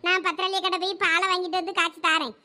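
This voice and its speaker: A woman's voice: very high-pitched, little pitch movement, fast, background noise. A woman voicing a bossy village mother in a cartoon who grumbles and scolds in a Thoothukudi Tamil accent. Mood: grumbling.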